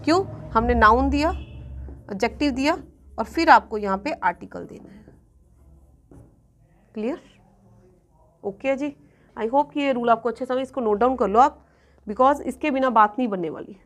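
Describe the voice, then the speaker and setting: Brief: woman exam-coaching teacher, somewhat high voice, patient repeated examples. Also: fairly bright tone, a little hiss or hum. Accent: Punjabi-influenced Hindi-English. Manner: checks in often with students, repeating examples slowly. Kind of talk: classroom grammar lesson.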